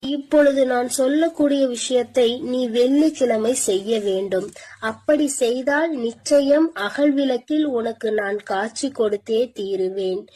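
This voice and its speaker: A woman's voice: fairly high pitch, measured pace, mellow. A woman voicing goddess Varahi, motherly. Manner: addresses listener as her child, firm and instructive. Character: motherly goddess, protective yet stern. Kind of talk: devotional divine message.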